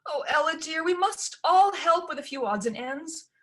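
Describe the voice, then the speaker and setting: Woman doing a high flustered stepmother. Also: animated, normal speed, a bit bright. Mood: pleading. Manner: high, babbling, anxious. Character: fretful middle-aged stepmother, flustered and pleading.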